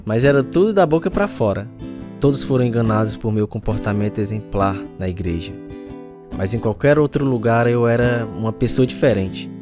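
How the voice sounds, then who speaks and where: A man's voice: medium pitch, animated, moderate pace, music in the background, natural voice. A man with a Brazilian accent playing a reflective older man telling his life story in a radio drama. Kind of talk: first-person scripted radio narration.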